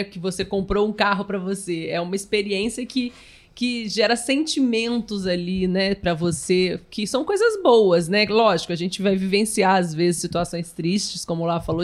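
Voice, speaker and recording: Friendly Brazilian woman co-host. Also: medium pitch. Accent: Brazilian Portuguese. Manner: friendly, reads listener comments aloud. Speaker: podcast co-host. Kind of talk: live podcast conversation.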